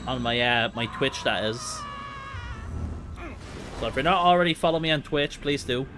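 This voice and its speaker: A man's voice: medium pitch, moderate pace, over music. A man giving casual live commentary as he plays a video game, with playful asides. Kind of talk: casual gaming livestream commentary. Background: horror game sound.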